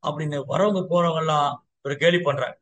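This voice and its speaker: A man's voice: on the high side, steady tone, brisk, a bit bright, muffled recording. A male Vaishnava preacher telling a devotional story to a gathering, acting out dialogue and repeating phrases. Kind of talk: sermon storytelling to a congregation.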